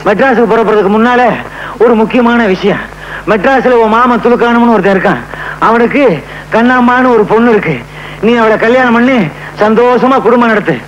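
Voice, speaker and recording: A male actor playing a dying old ex-gangster grandfather, gruff and commanding, in a film comedy scene. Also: very high-pitched, muffled recording, slight background noise. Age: older.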